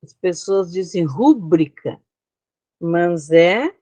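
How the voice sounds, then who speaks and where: A woman's voice: medium pitch, lively intonation, slow, darkish tone, no room sound. A Brazilian woman teaching an online class, explaining slides step by step and often checking that her students follow. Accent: Brazilian Portuguese.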